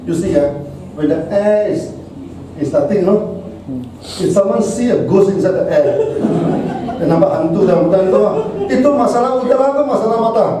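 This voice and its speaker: A middle-aged man with a Malaysian English accent, talking casually and haltingly, repeating words and chuckling often. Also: sits high, expressive, a crowd in the background. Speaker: speaker discussing meditation. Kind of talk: casual talk. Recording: echoey room, far-off mic.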